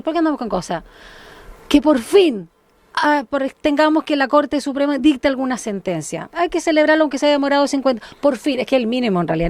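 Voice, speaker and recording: A woman's voice: high voice, a little mellow, no room sound. A woman hosting a radio interview, wandering through long questions with many restarts and tag questions.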